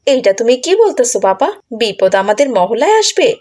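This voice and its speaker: A woman's voice: fairly high pitch, very animated, normal speed, darkish tone. Woman playing a gullible, anxious Bangladeshi auntie. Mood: worried.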